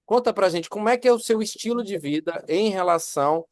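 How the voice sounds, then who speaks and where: Pastor asking measured questions, man. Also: high voice, animated, dry recording, studio quality. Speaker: pastor, interviewer. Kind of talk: interview questions.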